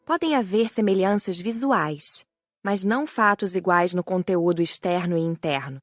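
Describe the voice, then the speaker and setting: A woman's voice: on the low side, expressive, normal speed, dry recording, clean studio sound, soft background music. A woman with a Brazilian accent reading a scripted first-person audiobook narration.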